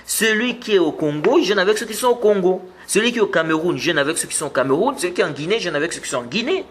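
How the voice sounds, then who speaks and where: Here the Islamic teacher talks very fast in a high, expressive, fairly bright voice. Patient in his religious explanation, he repeats words and rises in tone to underline what matters.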